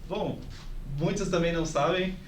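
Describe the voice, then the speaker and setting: Slightly high male co-host, echoey room. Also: normal speed. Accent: São Paulo Brazilian. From São Paulo, Brazil. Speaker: podcast co-host. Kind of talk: casual interview chat. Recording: roomy, distant mic, background noise.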